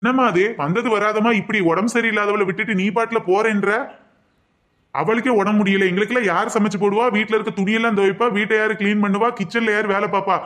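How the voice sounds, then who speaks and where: A man's voice: high voice, steady tone, quick pace, fairly bright tone. A man playing a clever husband and son in a cartoon, coaxing his mother and firm with his wife. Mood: complaining. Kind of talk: cartoon voice acting.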